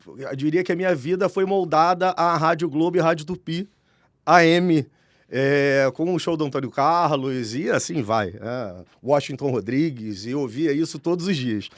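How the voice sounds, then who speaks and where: A man's voice: on the high side, moderate pace, dry recording, clean studio sound. A man in his forties from Rio de Janeiro with a Carioca accent, a talkative guest telling his story in a podcast interview. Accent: Carioca Brazilian Portuguese. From Rio de Janeiro, Brazil. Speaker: guest executive.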